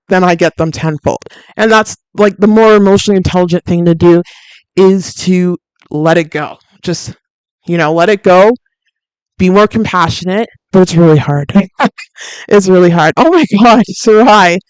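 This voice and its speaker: A woman with a deep, soothing voice hosts a fitness livestream in a chatty, candid way, with plenty of fillers and easy laughs. Her tone is smooth and clean, recorded close and dry with no room sound. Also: dry recording, low-quality recording. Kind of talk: casual livestream chat reading viewer comments.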